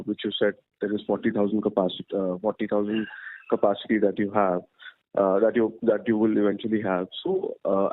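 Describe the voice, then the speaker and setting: Hesitant analyst on a dry phone line. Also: male voice, lowish voice, no room sound. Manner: deferential, hesitant, halting. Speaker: investment analyst asking questions. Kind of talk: unscripted questions on an earnings call. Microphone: telephone.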